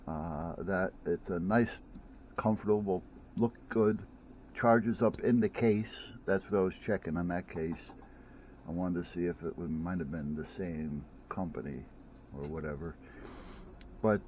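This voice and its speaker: A man's voice: deep voice, lo-fi sound, a little hiss or hum. A man chatting casually at home about a headset he bought, rambling, with many restarts and fillers. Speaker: vlogger reviewing gadgets. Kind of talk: casual unboxing chat.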